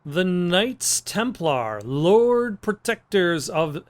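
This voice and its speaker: Very slowly and in a sing-song way, a high-pitched man hosts casual gameplay commentary full of dry, joking asides. Game music can be heard behind his voice.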